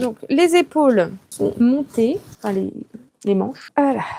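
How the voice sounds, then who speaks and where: A woman talks very slowly, her pitch high. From rural France. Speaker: sewing content creator. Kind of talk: live sewing tutorial; casual chat. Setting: livestream. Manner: casual, chatty.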